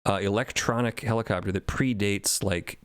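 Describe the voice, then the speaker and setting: A man's voice: lowish voice, fairly even intonation, moderate pace, clear, resonant tone, no echo, clean studio sound. A man chatting casually as a podcast panelist, enthusiastic and emphatic, with the odd swear word. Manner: enthusiastic, emphatic, mildly profane. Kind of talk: casual roundtable chat.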